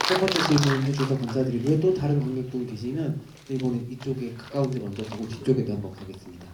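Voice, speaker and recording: A man moderating a film Q&A, brisk and courteous. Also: mid-range voice, a loud crowd, very noisy. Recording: echoey cinema hall from far off.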